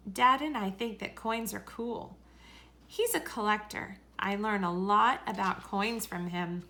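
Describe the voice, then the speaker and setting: A woman reading a children's story aloud in a deliberate, expressive way. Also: on the high side. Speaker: story reader.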